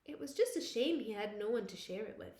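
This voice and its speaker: A woman reads a children's picture book aloud like a teacher at storytime, expressive and playful. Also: medium pitch, fairly quick, reverberant. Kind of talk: animated children's storytime reading.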